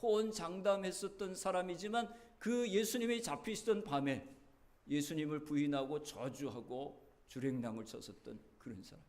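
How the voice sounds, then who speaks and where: Male pastor, high-pitched, earnest sermon storyteller. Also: normal speed, a little mellow. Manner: earnest storytelling preacher, voice rising and dropping. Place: church sanctuary.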